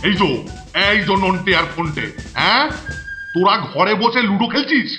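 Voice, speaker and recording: A man's voice: high-pitched, expressive, normal speed, over music. A man voicing a fussy, scolding, gullible older school superintendent in a children's cartoon, blustering and repeating his phrases. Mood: stern, scolding.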